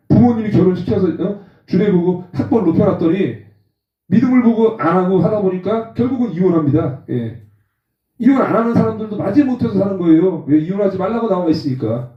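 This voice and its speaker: A man in his forties preaching a testimony sermon, lively and acting out rough quarrels in slang. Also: high-pitched, brisk. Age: 40s. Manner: animated, acts out rough phone quarrels with slang. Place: church hall. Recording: roomy, distant, dull sound.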